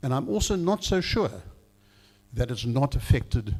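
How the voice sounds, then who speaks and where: With ordinary pitch variation, a man talks in a somewhat breathy voice. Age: 70s. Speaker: resident at public meeting. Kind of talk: public meeting comment.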